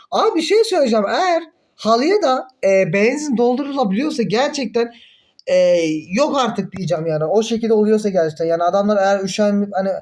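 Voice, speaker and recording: Young man, high-pitched voice, casual gameplay commentary, excitable, grumbling, frustrated outbursts. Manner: excitable, swears and groans when frustrated. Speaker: mobile game streamer.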